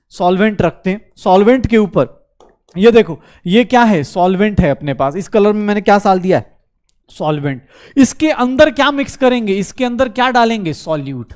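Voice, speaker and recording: Male online chemistry tutor, high voice, brisk and coaxing, asks and answers his own questions. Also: a little mellow. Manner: mixes Hindi with English terms, calls students beta. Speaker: chemistry teacher. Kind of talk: online class lecture.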